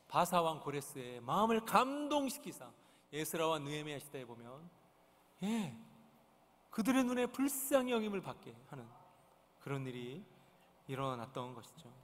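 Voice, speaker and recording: A high-voiced male pastor preaches to his congregation, earnest and searching, often turning his points into questions. His voice rings through a large church sanctuary with a long reverb trailing each phrase. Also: very animated, normal speed, a bit bright. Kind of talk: sermon. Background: congregation present.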